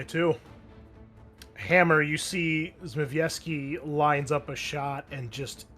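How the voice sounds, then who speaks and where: A man's voice: mid-range voice, fairly bright tone. A man narrating a tabletop roleplaying game as game master, mixing descriptive scene-setting with informal rules talk.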